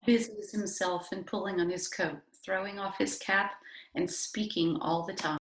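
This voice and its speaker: A woman's voice: mid-range voice, steady tone, normal speed, a bit bright. A woman reading scripted stage directions as the narrator of a play. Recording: very echoey room.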